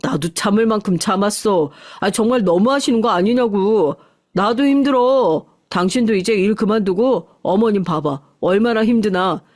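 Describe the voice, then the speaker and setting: A woman's voice: mid-range voice, normal speed, a little mellow, natural voice. A woman voicing a frustrated young husband who pleads with his mother-in-law in a radio story reading. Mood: exasperated. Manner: exasperated, pleading.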